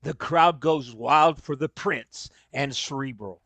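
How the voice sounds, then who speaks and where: A man's voice: mid-range voice, slow pace, creaky, a bit bright, dry recording. A man reading scripted narration of wrestling scenes for a staged reading. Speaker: reader of stage directions.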